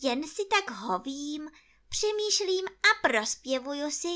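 Pooh, a woman doing a squeaky greedy bear cub. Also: lively intonation, pushed and bright. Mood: eager. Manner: high squeaky strained voice, plaintive. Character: honey-loving bear cub, naive and greedy. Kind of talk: storybook reading.

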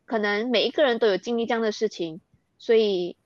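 A woman's voice: on the high side, a little fast, no echo, highs cut off. A young Malaysian woman speaking Mandarin with a Malaysian accent, earnestly recounting things in an interview and mixing in English words. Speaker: interview guest, athlete. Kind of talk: candid interview.

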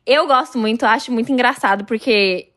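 A woman's voice: on the high side, brisk, a bit bright. A woman with a Brazilian Portuguese accent leaving a chatty, enthusiastic voice message as a fan of the show. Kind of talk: casual voice message.

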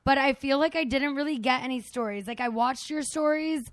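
A woman with a somewhat high voice co-hosts a casual conversation. She reacts bluntly and teases as she prompts for stories. The sound is dry, with very little room. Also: brisk, dry recording. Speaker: podcast co-host.

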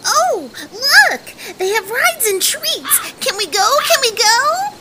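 A small, innocent girl in an audio drama. The voice is extremely high and a little unhurried, excitable by temper, with loud background noise. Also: heavily acted. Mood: excited.

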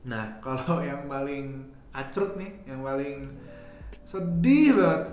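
A man's voice: a little high, lively intonation, slow, darkish tone, soft background music. A man hosting a casual podcast, slangy and laughing often. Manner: slangy, laughs often, talks to listeners as guys. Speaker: podcast host. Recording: echoey room with faint ambience.

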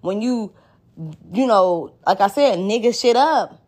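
A woman's voice: mid-range voice, expressive, unhurried, darkish tone. A woman with an African American accent talking in a candid, casual podcast monologue, blunt and slangy with plenty of swearing. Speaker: podcast host.

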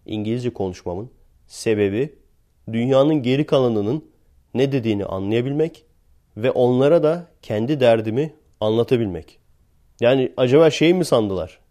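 Mellow-voiced man on a rambling podcast. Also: fairly low pitch. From Turkey. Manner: chatty and sarcastic, rambling with frequent laughs. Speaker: podcast host. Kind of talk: casual podcast monologue.

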